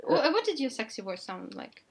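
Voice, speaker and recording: High, lively woman chatting slowly. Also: husky. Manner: playful, giggly, searching for words. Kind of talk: casual chat.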